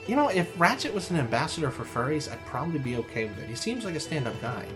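A man's voice: a little high, very animated, quick pace, music in the background. A man co-hosting a podcast in casual chat, rambling and hesitant with lots of laughter. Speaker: podcast co-host.

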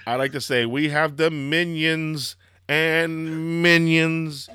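Hoarse, rambling man hosting a podcast. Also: on the high side, slow pace, no echo, studio quality. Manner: rambling, filler-heavy, excitable. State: slightly hoarse, throaty. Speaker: podcast host. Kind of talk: casual wrestling podcast chat.

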